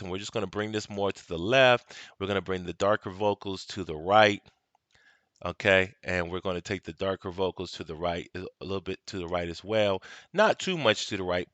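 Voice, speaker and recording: A man with a lowish voice walks viewers through a software tutorial, relaxed and instructive, dropping in "um" and "okay" as he goes. The sound is close and dry, recorded at his home desk with no room around it. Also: no echo, highs cut off. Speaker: video tutorial host. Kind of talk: casual software tutorial walkthrough. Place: home desk at a desktop computer.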